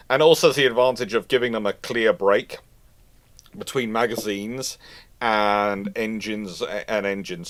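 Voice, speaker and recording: British man fielding questions on a livestream. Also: on the low side. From United Kingdom. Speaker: host of a live naval history question-and-answer stream. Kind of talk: informal expert commentary answering viewer questions.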